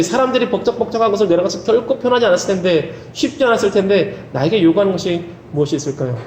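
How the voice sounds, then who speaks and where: A man's voice: high-pitched, darkish tone, slight background noise. A male pastor preaching a sermon in a church, earnest, with folksy humorous asides. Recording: roomy church hall, faint ambience.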